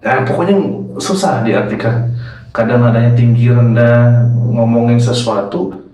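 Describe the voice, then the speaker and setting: A man's voice: medium pitch, a little slow, mellow, distant mic. A man telling a personal ghost encounter in a casual, chatty way, rambling with fillers and repeated words. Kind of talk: casual first-person horror storytelling. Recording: echoey room, set back from the mic, faint music underneath.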